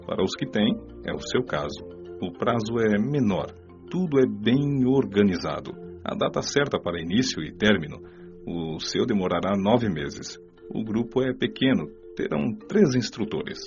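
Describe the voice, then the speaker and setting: Give a kindly Brazilian male mentor from a spiritual radio drama, played by an actor. His voice sits low and he instructs in measured phrases. The sound is somewhat dull, with music plainly underneath. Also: sing-song, gravelly, darkish tone. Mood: instructive, kindly. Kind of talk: audiobook radio drama dialogue.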